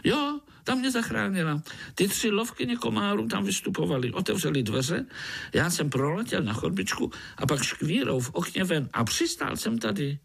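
A man's voice: high voice, very animated, creaky, fairly bright tone, husky, pitched above the performer's own voice, full character voice. Man putting on a bragging Slovak mosquito. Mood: boastful. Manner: chummy, boastful, calls listener sonny. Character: boastful bloodthirsty jovial male mosquito from the Danube. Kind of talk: storybook reading.

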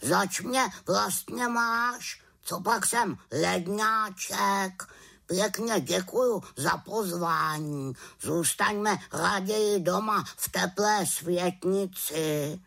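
A woman voicing a wise, grumbling male raven in a storybook reading, with a croaking, lecturing manner. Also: mid-range voice, a bit bright, pitched above the performer's own voice. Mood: indignant. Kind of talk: audiobook character reading.

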